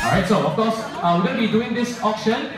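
Very fast, a man talks with ordinary pitch variation. Room echo and background noise are both noticeable. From Singapore. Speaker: event emcee, auctioneer. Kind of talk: live charity auction calling. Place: hall. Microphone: pa.

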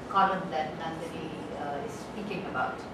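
Spoken at a moderate pace, the voice comes through audible room echo and loud background noise. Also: woman. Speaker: development advisor chairing a session. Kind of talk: moderated discussion. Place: hall.

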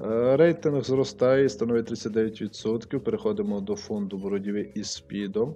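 A man speaks in a Transcarpathian accent with a dark, mellow tone. His pace is moderate and his intonation fairly even. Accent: Transcarpathian Ukrainian. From Zakarpattia, Ukraine. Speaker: gaming YouTuber. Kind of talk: game commentary.

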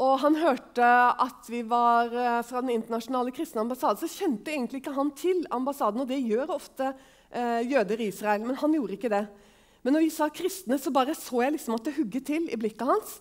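The speaker is a woman with a high pitch. Her pitch varies in an ordinary way. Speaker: preacher. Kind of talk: sermon. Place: hall. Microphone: headset.

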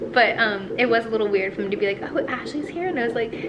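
Noticeable background noise sits behind a woman who speaks fairly quickly. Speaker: expectant mother vlogger. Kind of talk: casual vlog chat. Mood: cheerful, relaxed. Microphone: phone near.

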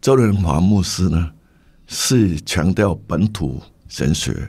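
This man's voice sits very deep and low, with vocal fry and lively intonation. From Hong Kong. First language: Cantonese (speaking Chinese). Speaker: retired pastor. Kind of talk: interview. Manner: slow.

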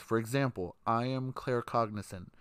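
In a very clean recording with a silent background and a dry, close sound with no echo, a speaker with a Texan accent talks at a fairly slow pace with ordinary pitch variation. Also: man. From Texas. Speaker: podcaster. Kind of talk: casual monologue. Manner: animated.

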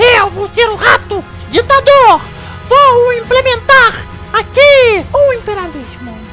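A put-on character voice over clear background music

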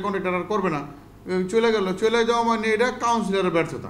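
A man speaks with a high pitch. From Bangladesh, Narayanganj (Siddhirganj); Bangladesh. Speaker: local politician, ward councillor. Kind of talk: interview. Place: office.

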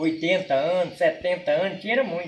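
A man speaks in a rural Goiás accent with a high pitch. His pace is very slow, with ordinary pitch variation. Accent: rural Goiás caipira Portuguese. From rural Goiás, Brazil. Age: 60s. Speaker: local farmer. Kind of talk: casual interview; interview answer. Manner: halting. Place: street.

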